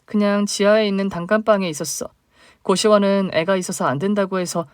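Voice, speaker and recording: A woman's voice: medium pitch, steady tone, brisk, clean tone, dry recording, studio quality, natural voice. A woman voicing a hurt young single mother, the younger sister, speaking plaintively in a dramatized story. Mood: weary. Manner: plaintive, emotional questioning.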